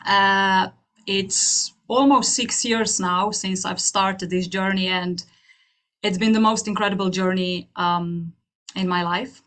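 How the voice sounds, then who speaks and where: A woman's voice: medium pitch, steady tone, slow, fairly bright tone. Slovenian-accented woman, earnest and emphatic. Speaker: hypnotherapist speaking at an open house. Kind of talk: personal testimonial to an online audience.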